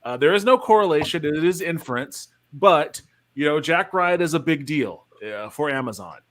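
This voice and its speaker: A man's voice: on the high side, animated, moderate pace. A man on a live stream panel who talks hesitantly, with many fillers, as he reasons through a point. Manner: hesitant, filler-heavy, thoughtful.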